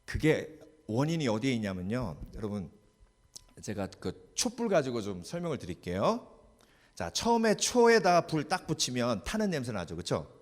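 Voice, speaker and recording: A man's voice: mid-range voice, moderate pace. A man preaching a sermon as pastor, talking animatedly and often asking the congregation questions. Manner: lively preaching with many rhetorical questions to the congregation. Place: church sanctuary. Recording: long church hall reverb.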